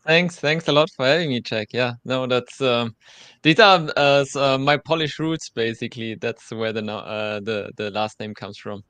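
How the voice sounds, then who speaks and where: A man's voice: medium pitch, normal speed, fairly bright tone, smooth, no echo. A young adult man, a podcast guest, answering interview questions in a hesitant way with frequent fillers. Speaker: guest, company co-founder.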